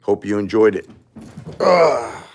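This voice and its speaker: A man's voice: fairly low pitch, very animated, slow pace, slightly rough. A man from the United States hosting a casual livestream, rambling and restarting as he talks straight to his viewers. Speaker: livestream host.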